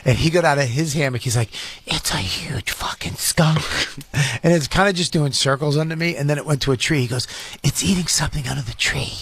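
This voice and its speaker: A man's voice: a little high, fast, fairly bright tone, slight background noise. A man, a comedian co-hosting a podcast, telling loose, profane stories in casual banter with stumbling restarts.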